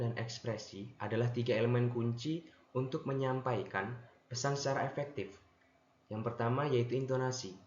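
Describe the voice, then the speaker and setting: A man's voice: mid-range voice, a little mellow. A young man giving an earnest class presentation, stumbling and correcting himself now and then. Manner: earnest, with restarts and self-corrections. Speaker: student presenter. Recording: echoey room, dull lo-fi mic, faint noise.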